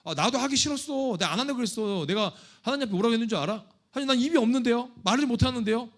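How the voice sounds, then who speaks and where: A pastor acting out an indignant Moses. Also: male voice, very high-pitched, animated, rapid-fire, pitched above the performer's own voice. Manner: loud, indignant, pleading rants. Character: exasperated Moses, an older man leading a complaining crowd.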